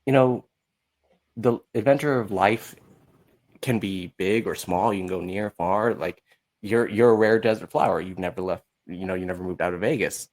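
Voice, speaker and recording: A man's voice: fairly low pitch, moderate pace, darkish tone. A man speaking as a podcast guest, telling anecdotes in a candid, casual way with a blunt, self-mocking manner and acting out quoted remarks.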